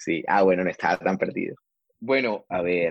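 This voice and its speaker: A man talks at a fairly quick pace with lively intonation in a coastal Colombian accent. The sound is dry and close, with no echo. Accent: Colombian coastal (costeño) Spanish. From Barranquilla, Colombian Caribbean coast. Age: 20s. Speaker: communications professional. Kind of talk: casual chat.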